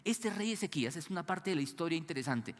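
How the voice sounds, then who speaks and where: A man's voice: a little high, expressive, fast talker, big-room sound. A man preaching a sermon as pastor, asking the congregation to call out the missing words. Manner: asks the congregation to fill in words. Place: church hall.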